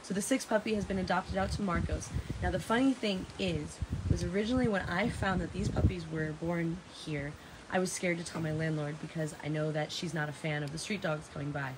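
A woman in her thirties with a raspy voice, chatting casually and dramatically to live stream viewers, repeating phrases for emphasis. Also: on the low side, steady tone, brisk. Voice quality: raspy from heavy singing. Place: open porch of a house and its garden, outdoors. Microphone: phone at arm's length. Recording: noisy outdoor phone recording.

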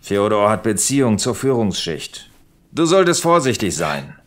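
An actor playing a world-weary police officer in his sixties, an uncle who cautions in a measured, patronising way in a German audio drama. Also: on the low side, very animated. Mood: admonishing. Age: 60s.

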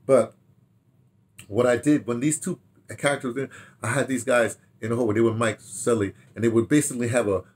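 An American man in his sixties reminisces casually in a rambling, halting way, repeating words and throwing in animated asides, recorded in a home study. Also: medium pitch, a little hiss or hum. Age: 60s. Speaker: radio drama director telling his history. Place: small home study, indoors.

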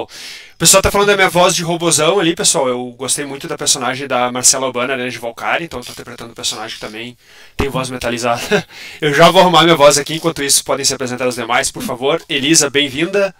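A man's voice: medium pitch, quick pace, pushed and bright. A man hosting a live online panel chat over a video call, his voice turned metallic and robot-like by an audio glitch, jokey and teasing. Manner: jokey, teasing, laughs often. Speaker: host of a publisher's live show. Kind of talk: casual livestream panel chat.

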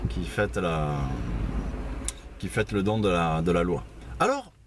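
A man's voice: deep voice, measured pace, noisy background. A man giving an informal Bible teaching at a house church, conversational, with many fillers and asides. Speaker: preacher.

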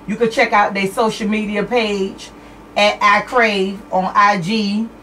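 A woman hosting a live radio show, reading out listener shout-outs with lively, excited greetings. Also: mid-range voice, unhurried, distant mic, a little hiss or hum.

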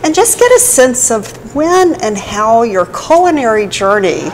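A woman's voice: a little high, very animated, a little slow, faint music behind, rough recording. A woman hosting a cooking show in a kitchen showroom, speaking in an effusive, gushing way. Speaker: host.

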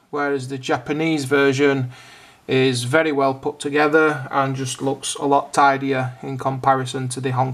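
A British man giving an informal how-to narration, explaining things step by step. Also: a little high. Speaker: hobbyist video host.

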